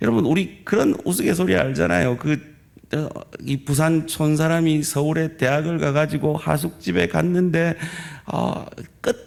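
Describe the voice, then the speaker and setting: A man with a fairly high pitch and an unremarkable speaking voice talks at a fairly slow pace, with ordinary pitch variation and very even loudness. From South Korea, Gyeongsang region. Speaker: pastor. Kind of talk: sermon. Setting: church.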